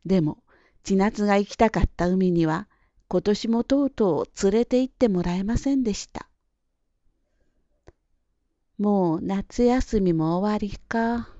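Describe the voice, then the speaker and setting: A woman narrating a children's storybook in a gentle, even way. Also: medium pitch, no room sound, dull audio. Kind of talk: storybook reading.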